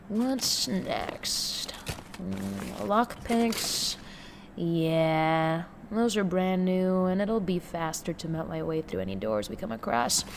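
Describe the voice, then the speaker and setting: A woman playing a brisk, sardonic heist planner who mutters through checklists to herself in an audio drama. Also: medium pitch, natural voice. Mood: brisk, frazzled. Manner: muttering checklist, sarcastic asides. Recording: reverberant room, clear background noise.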